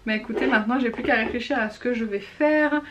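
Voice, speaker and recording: A woman's voice: fairly high pitch, quick pace, muffled recording, background noise. A woman chatting casually as she swatches makeup, gushing and sometimes dropping to a whisper. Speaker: beauty vlogger.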